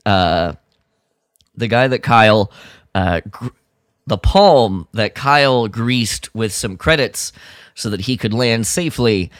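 A man co-hosting a podcast, chatting casually and haltingly as he recaps a story. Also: fairly low pitch, dry recording, clean studio sound. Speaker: podcast co-host. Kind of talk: casual chat recapping a radio drama.

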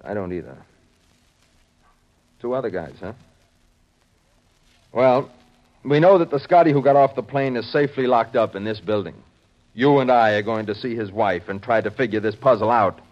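A serious, authoritative security chief, played by a radio actor, questions firmly in a medium-pitched male voice. He is brisk and probing, with 1950s radio drama delivery on a dull, muffled recording. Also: lightly acted. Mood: grave, puzzled.

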